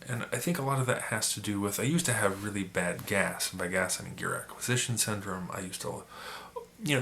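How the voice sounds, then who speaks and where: Sick man with a gravelly raspy voice. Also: on the low side, pushed and bright, a little hiss or hum. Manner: rambling, with many restarts and fillers. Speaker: photography YouTuber. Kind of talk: casual opinion vlog.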